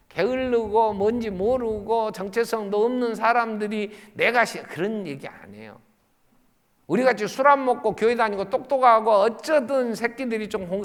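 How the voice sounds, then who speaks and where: Older pastor, high bright voice that swings all over, fervent sermon in an echoey church hall. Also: male voice, moderate pace. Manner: fervent, animated preaching with sudden shouts. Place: church sanctuary.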